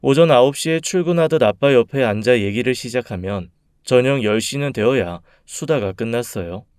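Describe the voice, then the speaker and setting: A man narrating a read-aloud personal story in a calm, measured, soft-spoken way. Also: medium pitch, clean tone, no echo, clean studio sound.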